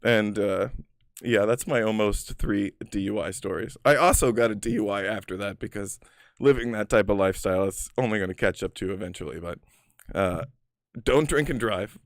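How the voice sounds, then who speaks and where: A man's voice: lowish voice, normal speed, no room sound, studio quality. A man casually telling personal stories in a rambling, profane way, full of filler words. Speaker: storyteller.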